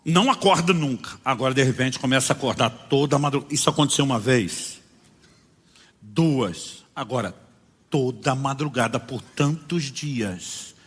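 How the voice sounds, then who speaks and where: Husky Brazilian pastor preaching in a hall. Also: male voice, mid-range voice, moderate pace. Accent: Brazilian Portuguese. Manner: animated storyteller acting out dialogues. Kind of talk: sermon with storytelling.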